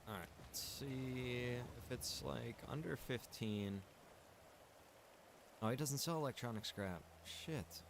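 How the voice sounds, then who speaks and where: A man streaming a survival game, talking casually and thinking out loud with the odd chuckle as he plays. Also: mid-range voice, slow, creaky, background noise. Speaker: streamer and game server developer. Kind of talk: live-stream gameplay commentary.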